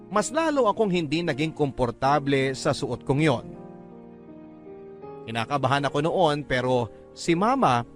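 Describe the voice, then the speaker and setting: A man reads a scripted radio story in the first person, like a letter from a listener. His voice sits at a medium pitch, with faint music underneath. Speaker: narrator reading a listener's letter. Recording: background music under narration.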